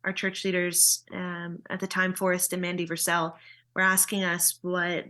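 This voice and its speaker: A woman in her early thirties, a missionary guest in an interview, recounting events in a steady, matter-of-fact way. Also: lowish voice, moderate pace. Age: 30s. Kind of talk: conversational interview.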